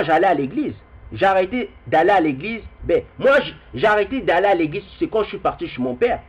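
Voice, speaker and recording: A young man with a high voice talks straight to his viewers. He rambles and doubles back on his words, and reads out passages here and there. The recording sounds dull and lo-fi. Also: husky. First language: Kikongo heritage language. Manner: rambling, repeats words, addresses viewers directly. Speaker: video commentator. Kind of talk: spoken video commentary with readings.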